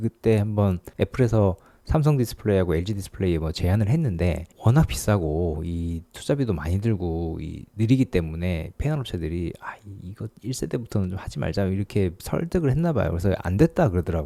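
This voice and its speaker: This man has a very deep, low voice with a dark, mellow tone and hardly any pauses. The recording is very clean with a silent background. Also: lively intonation, fairly quick pace, big swings in loudness. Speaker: tech journalist and channel host. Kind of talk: tech news commentary. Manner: casual conversational; quiet, hard to hear.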